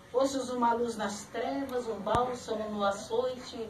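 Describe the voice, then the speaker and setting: Noticeable background noise sits under speech whose pitch varies in an ordinary way. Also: woman. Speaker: elderly church member reciting. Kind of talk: poetry reading. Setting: home visit. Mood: solemn, emotive storytelling. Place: home room. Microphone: camera far.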